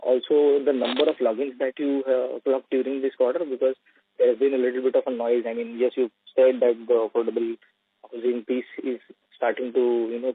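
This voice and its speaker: A man's voice: medium pitch, husky, no echo. A man asking an analyst's questions on a conference call. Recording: dry, narrow phone line.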